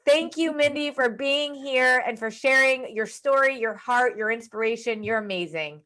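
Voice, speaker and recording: High-voiced, gushing woman host. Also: normal speed, sharp tone. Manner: gushing, emphatic. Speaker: host and coach interviewing a guest. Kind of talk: effusive, encouraging interview chat.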